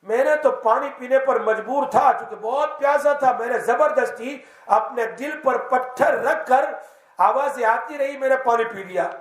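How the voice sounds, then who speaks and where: High-voiced man teaching in an echoey mosque. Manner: lively storytelling, quizzes the audience; tells the tale in the first person. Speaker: Islamic teacher. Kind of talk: mosque lesson storytelling. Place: mosque hall.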